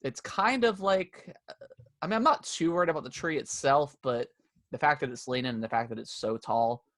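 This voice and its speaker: With clean studio sound and no echo, a young co-host speaks a little fast in a medium, slightly bright voice. Stuffy from allergies, he rambles through casual podcast chat from his home office desk setup with a camera, full of fillers and restarts.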